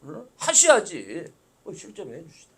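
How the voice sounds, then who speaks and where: A middle-aged man preaching a sermon as pastor, talking to the congregation in a conversational way that swells suddenly loud for emphasis and drops to soft asides. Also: a little high, huge pitch swings, moderate pace, husky. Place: church sanctuary.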